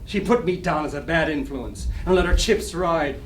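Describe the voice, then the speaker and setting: An actor playing a cocky, wistful small-time 1920s New York gambler, telling rambling stories in slangy wiseguy talk at a dramatic play reading. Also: male voice, on the high side, measured pace. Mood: wistful, resigned. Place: library reading room. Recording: roomy distant live recording, clear noise.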